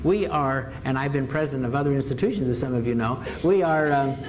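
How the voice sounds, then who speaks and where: Talking fast over crowd noise, a university president, an older man with a medium-pitched voice, speaks formally to an auditorium audience and then answers questions. He underlines his points by saying phrases again.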